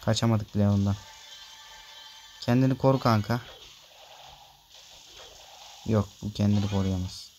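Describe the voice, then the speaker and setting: A man's voice: fairly low pitch, fairly even intonation, a little slow, long pauses, warm tone, slight background noise. A man giving casual gameplay commentary, chatting straight to his viewers and grumbling about his random teammates. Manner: grumbling, easily annoyed at teammates; chatty, addresses viewers directly. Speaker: gameplay video maker.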